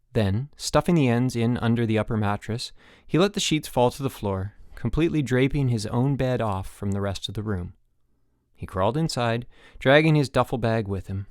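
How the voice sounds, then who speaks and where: A man's voice: medium pitch, a little mellow, dry recording, clean studio sound. A man narrating fiction as a scripted audiobook reading.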